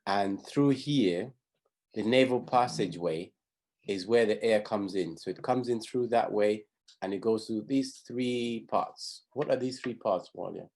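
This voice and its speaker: Low, mellow-voiced man teaching a class. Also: unhurried, poor audio. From Zambia. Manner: explanatory, repeats and restarts phrases. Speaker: pathfinder honour instructor. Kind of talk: teaching a class over video.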